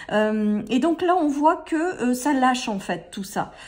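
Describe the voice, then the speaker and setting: A woman with a high pitch talks fairly slowly, her intonation lively. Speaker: tarot card reader. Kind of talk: tarot reading guidance. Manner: hesitant, many filler sounds.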